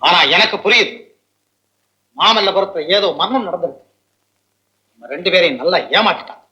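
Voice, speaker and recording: A man's voice: sits high, moderate pace, sharp tone, low-quality recording. An actor playing a lawyer who is certain a supposedly dead woman is alive. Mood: determined. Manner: earnest, probing. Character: suspicious lawyer determined to uncover a mystery.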